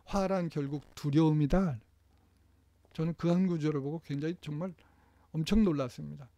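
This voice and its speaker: Lively middle-aged man giving a lecture. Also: on the high side, normal speed, no room sound. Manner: lively, acts out parent lines. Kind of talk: training lecture.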